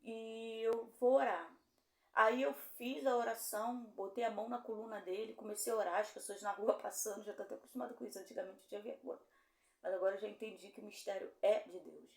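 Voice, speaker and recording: A woman's voice: fairly even intonation, brisk, vocal fry. A middle-aged Brazilian woman pastor, preaching a sermon and telling a story, acting out the voices of the people in it. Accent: Brazilian Portuguese. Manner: storytelling, acts out dialogue with rising pitch. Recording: echoey room.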